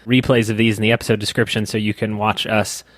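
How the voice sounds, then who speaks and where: A man's voice: on the low side, level tone, fast, dry recording. A man co-hosting a casual board game podcast, walking through rules step by step with some dry teasing. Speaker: podcast co-host.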